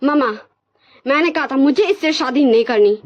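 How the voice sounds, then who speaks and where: A woman's voice: high-pitched, lively intonation, normal speed, pitched above the performer's own voice. A woman voicing a cold, angry young male professor who talks harshly, in a dull lo-fi recording. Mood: shouting. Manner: harsh, shouting.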